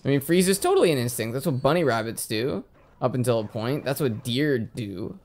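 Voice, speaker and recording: A man's voice: mid-range voice, animated, fairly quick, darkish tone, a little hiss or hum. A man chatting and joking beside a friend who plays a game, drifting into trivia tangents. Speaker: co-host. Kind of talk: casual let's-play banter.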